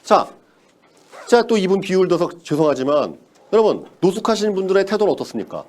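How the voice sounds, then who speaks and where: A man's voice: sits high, sing-song, fast, darkish tone. A man giving a motivational sales lecture, emphatic, repeating key words and asking the audience rhetorical questions.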